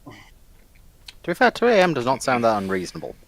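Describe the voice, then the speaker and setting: A man's voice: mid-range voice, huge pitch swings, quick pace, vocal fry. A man speaking casually as a panellist. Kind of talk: casual chat.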